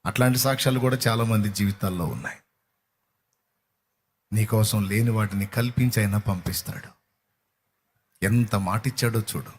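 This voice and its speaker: A man's voice: fairly low pitch, normal speed, long pauses, a little hiss or hum. A middle-aged man preaching a sermon in a fervent, repetitive cadence. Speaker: pastor.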